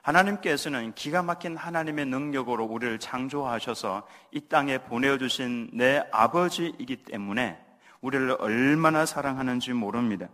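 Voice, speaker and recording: A man's voice: medium pitch, normal speed. Male pastor, sermon delivery, mid-range voice, leads call-and-response readings, long hall reverb. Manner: acts out gentle parental words softly. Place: church sanctuary.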